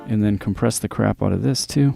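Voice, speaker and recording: A man with a low, very creaky voice walks through a production tutorial. He is casual and colloquial, talking like he is showing a friend around the software. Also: a little fast, soft background music. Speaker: music production tutorial host.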